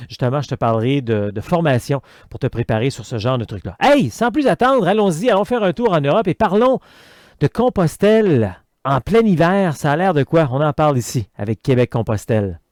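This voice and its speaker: Québécois male host, slightly high, dry mic, casual and hesitant. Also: a little mellow, no room sound. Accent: Québécois French. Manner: chatty, hesitant with many fillers. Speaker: podcast host. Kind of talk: casual interview chat.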